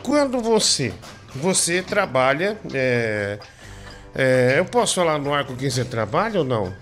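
A man's voice: mid-range voice, very animated, moderate pace, fairly bright tone. A man hosting a comic radio show with a Brazilian accent, teasing and mocking in repetitive banter. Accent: Brazilian Portuguese. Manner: mocking, teasing, repeats himself. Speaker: host. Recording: music playing behind the voice.

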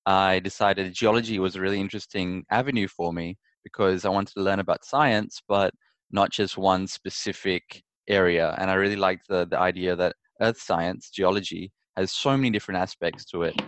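A young man from Perth, Australia, answering interview questions in a friendly, relaxed way and repeating words as he thinks. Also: low-pitched, normal speed, no room sound. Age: young adult. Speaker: interview guest, startup founder. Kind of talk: conversational interview.

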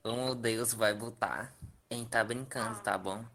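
A man's voice: medium pitch, steady tone, unhurried, gravelly, sharp tone. A young man hosting a casual podcast over an online call, joking and laughing often. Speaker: podcast host and editor.

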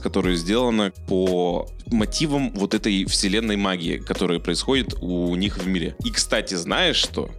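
A man's voice: fairly low pitch, a bit bright. A man hosting a podcast, talking casually and jokily about films, sometimes stumbling over his words. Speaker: podcast host. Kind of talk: casual podcast chat, film review. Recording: music playing under the voice. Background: background music.

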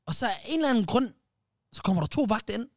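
Male podcast host, lively storyteller, slangy, dry close mic. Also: high voice, no room sound. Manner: animated storyteller, many restarts, slang like "bro" and "wallah". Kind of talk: casual storytelling chat.

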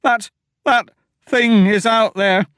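A man voicing a panicky male farmer who talks in a shrill, frightened way. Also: steady tone, slow, fairly bright tone, smooth, dry recording, clean studio sound. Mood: panicked.

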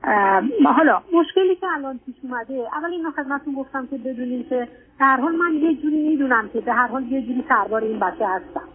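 A woman's voice: high voice, slightly rough. An older middle-aged woman with an Iranian Persian accent, hesitant and politely deferential, telling her personal story as a caller on an advice line. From Iran. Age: 50s or older. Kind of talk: personal account on a radio advice call. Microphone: phone call to a radio show. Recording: tinny narrow-band phone line.

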